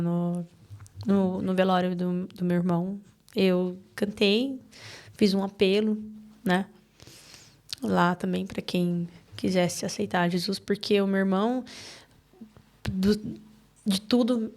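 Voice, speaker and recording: A woman from Brazil, a podcast guest, telling a painful personal story in a halting, emotional way with many restarts. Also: mid-range voice, creaky, darkish tone.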